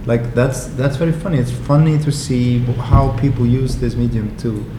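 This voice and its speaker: A middle-aged man whose first language is Icelandic, a guest speaking in a casual interview. He has a relaxed, wry, self-deprecating way of talking. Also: medium pitch, normal speed. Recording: roomy, with clear ambient background noise.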